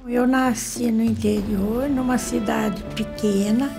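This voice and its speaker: A woman in her seventies, a former primary teacher assigned to the museum, speaking slowly in a documentary interview. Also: on the high side, fairly even intonation, over music. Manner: slow, creaky and husky.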